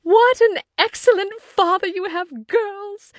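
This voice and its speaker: Shrill, fretful, excitable mother. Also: moderate pace, dry recording, exaggerated voice. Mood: overjoyed. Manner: shrill exclamations, complaining, effusive. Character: fretful, excitable middle-aged mother, self-pitying and gushing.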